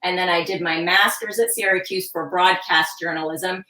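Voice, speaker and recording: A woman in her forties, a guest on a radio interview, with a bright, forceful voice gone hoarse and groggy. She tells her story in an upbeat, chatty way. She sits back from the mic in an echoey room. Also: fairly low pitch, little pitch movement, moderate pace, far from the mic. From Hudson Valley, New York. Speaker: children's book author, guest.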